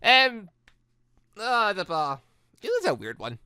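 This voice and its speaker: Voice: medium pitch, wildly swooping pitch, takes it slowly, sharp tone, clean tone, no room sound, studio quality. A let's play host casually commenting on a visual novel and reading its dialogue aloud, rambling and repeating words as they react. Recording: game music behind the voice. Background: background music from the game.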